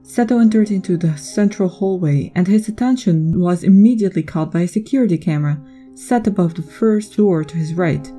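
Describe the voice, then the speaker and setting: Mellow, lowish woman narrator. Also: brisk, soft background music. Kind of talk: scripted story narration.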